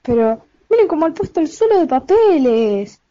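A woman's voice: sits high, big pitch swings, normal speed, noisy background. A young woman playing a domineering, scolding middle-aged widowed mother in an amateur radio play, with a Buenos Aires accent. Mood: irritated. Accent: Argentine (Buenos Aires). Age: teenager or young adult. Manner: bossy, exclamatory. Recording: dull lo-fi home recording.

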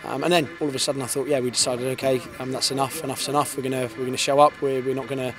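Man, 30s, football coach, post-match interview, fast talker, fairly flat delivery, repeats words, handheld mic, outdoors at night, clear stadium noise. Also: mid-range voice, music in the background. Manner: fast, earnest, repeats words when starting sentences. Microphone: handheld reporter's mic held in front.

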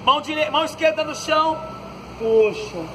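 A Brazilian man leading an outdoor stretching class, giving calm breathing cues and joking lightly as he moves the group through each pose. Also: very high voice, moderate pace, background noise. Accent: Brazilian Portuguese. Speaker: fitness instructor. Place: outdoor court, large open space. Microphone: far camera on the ground. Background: background music.

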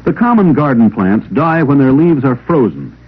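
A man reading scripted instructional narration for a 1950s classroom film in a measured, didactic way. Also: mid-range voice, big pitch swings, breathy edge. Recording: old 16mm film soundtrack, narrow telephone-like band.

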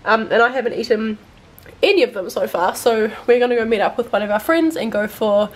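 A high-voiced young New Zealand woman you'd hear on a weekly home vlog, casually catching viewers up on her week as she holds the camera. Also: a little fast. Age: 20s. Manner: chatty, informal, frequent "like". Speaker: vlogger. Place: rooms at home. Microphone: handheld camera at arm's length.

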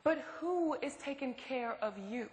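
Outspoken protective friend, stage play, highish voice, blunt, emphatic, hall echo. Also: female voice, lively intonation, a little slow, a little mellow. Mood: concerned. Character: Jackie, outspoken, protective best friend and coworker. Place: theatre stage. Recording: echoey theatre hall.

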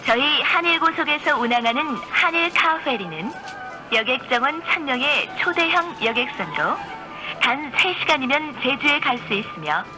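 A woman's voice: sits high, bright, forceful tone, rough recording. A woman reading a scripted passenger announcement for a bus in a formal, courteous manner. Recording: pre-recorded bus announcement with background music. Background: music.

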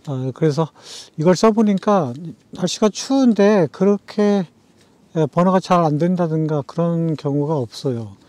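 Mellow-voiced man vlogging casually. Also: a little high, measured pace, no echo. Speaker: camping vlogger, host. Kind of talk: casual vlog chat.

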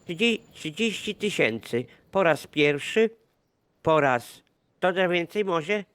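Man as a polite auctioneer, slow, higher voice, animated, dry. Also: dry recording. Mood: announcing. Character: formal male land auctioneer.

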